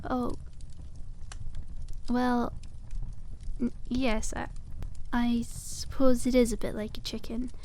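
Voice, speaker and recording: A cute young witch shopkeeper played by a woman talks in a fairly high, soft ASMR voice. She is cheerful and quaintly polite, gently selling dragon eggs to a customer. There is noticeable ambient noise behind her. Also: little pitch movement, slow pace, long pauses. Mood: flustered, amused. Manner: gentle sales patter, quaint polite wording. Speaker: ASMR roleplay performer. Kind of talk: soft-spoken ASMR roleplay, one-sided conversation with a customer.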